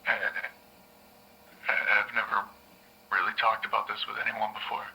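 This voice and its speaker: A man's voice: fairly low pitch, completely flat delivery, unhurried, vocal fry, pushed and bright, exaggerated voice, low-quality recording. An actor playing a nervous young man in a therapy session, stammering, repeating himself and rambling. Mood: anxious. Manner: stammering, repeats words, hesitant. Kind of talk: audio drama acting.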